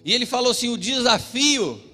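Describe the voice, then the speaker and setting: A middle-aged Brazilian pastor preaching a sermon with personal stories, shifting between loud exhortation and quiet storytelling. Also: male voice, very high-pitched, expressive, a little fast. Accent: Brazilian Portuguese. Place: church. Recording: reverberant church hall with music.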